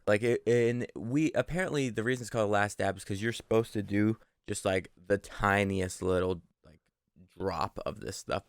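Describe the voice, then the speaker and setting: A man's voice: on the low side, creaky, no echo, studio quality. A young man co-hosting a casual podcast from his living room, telling stories in a rambling, self-correcting way. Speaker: podcast co-host.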